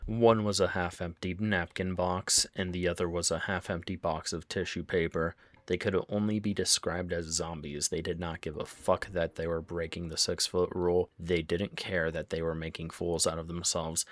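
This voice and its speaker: A man's voice: sits low, little pitch movement, normal speed, fairly bright tone, dry recording. A young man with a cold telling a crude, sarcastic story about his old job, swearing often. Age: young adult. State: has a cold. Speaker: storytime narrator. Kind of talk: casual storytelling.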